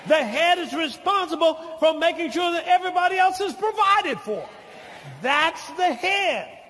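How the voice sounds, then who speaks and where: An older man preaching a sermon as pastor, teaching slowly and deliberately, then building to shouted lines and calls for amen. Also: very high voice, lively intonation, a little hiss or hum. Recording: long hall reverb of a church.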